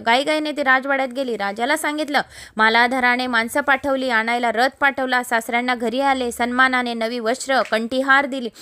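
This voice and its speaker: A woman narrating a devotional tale with a high, bright voice. She tells it in a steady, recited storyteller's cadence.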